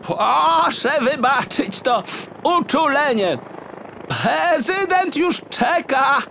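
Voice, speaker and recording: A croaky, smug frog official from a children's storybook. The voice is high and swoops wildly, with drawn-out, courteous words. Faint helicopter noise sits behind it. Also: male voice, very animated, sharp tone, exaggerated voice. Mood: polite. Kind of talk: audiobook character acting for children.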